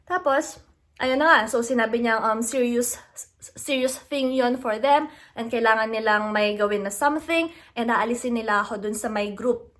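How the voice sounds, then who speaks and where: A young adult woman from the Philippines, vlogging casually and retelling an upsetting phone call with animated, indignant asides. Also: on the high side, moderate pace. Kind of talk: casual storytelling vlog.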